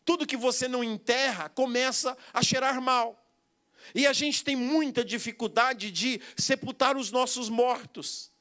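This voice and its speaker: A Brazilian man with a notably high voice preaches a sermon. He tells his story lively, acting out the voices of others and laughing along the way. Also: unhurried. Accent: Brazilian Portuguese.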